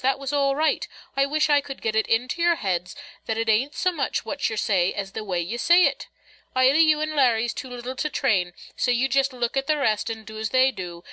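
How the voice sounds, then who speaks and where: A woman's voice: a little high, bright, forceful tone, smooth, dry recording, poor audio. A woman voicing a bossy, sarcastic but loving working-class mother who scolds and instructs in folksy rustic dialect, as in a storybook reading. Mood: brisk scolding.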